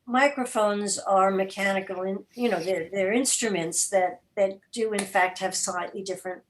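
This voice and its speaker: A woman answering questions as a guest in a casual online discussion, matter-of-fact, with pauses in the middle of her explanations. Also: mid-range voice, steady tone, a little hiss or hum, rough recording. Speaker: guest, radio drama producer and interviewer. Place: remote video call.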